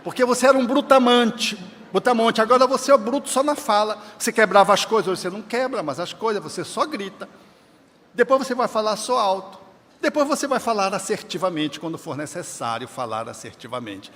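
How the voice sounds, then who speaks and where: A man's voice: high voice, animated, brisk, fairly bright tone, long reverb tail. A man giving an emphatic spiritist lecture at an event, in a preacherly way that quotes scripture. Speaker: spiritist speaker. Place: large event hall.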